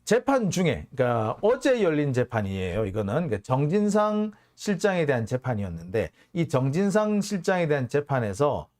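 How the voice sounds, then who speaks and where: A man's voice: on the high side, very animated, a little fast, few pauses, a little mellow. A man hosting his own channel, giving an indignant news commentary monologue full of rhetorical questions. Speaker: journalist and channel host.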